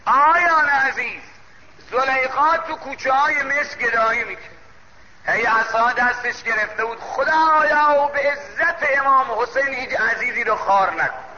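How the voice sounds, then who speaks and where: A man preaching a sermon, telling a story with impassioned, chanting calls and drawn-out phrasing, in a dull, echoey hall recording. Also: very high-pitched, background noise.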